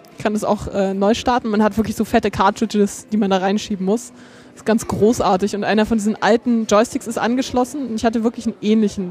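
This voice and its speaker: Over noticeable background noise, a woman talks at a very fast pace in a monotone, flat intonation. Her loudness swings widely. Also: fairly high pitch for a woman. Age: 20s. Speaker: university lab staff member. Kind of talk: casual chat. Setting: walking through a museum.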